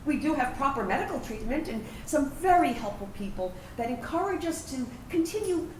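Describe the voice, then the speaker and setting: A woman's voice: sits high, expressive, fairly quick, a little mellow. A woman performing a staged monologue as a reflective trans veteran around fifty, recorded in a room. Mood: hopeful, reflective. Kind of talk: theatrical dramatic monologue reading. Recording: echoey, distant mic, hissy room noise.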